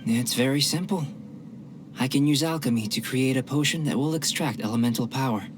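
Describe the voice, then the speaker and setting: A man voicing a calm young male alchemist in a game, measured, clinical and politely detached. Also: mid-range voice, close to an everyday voice. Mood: composed. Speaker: game character. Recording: game audio with music behind.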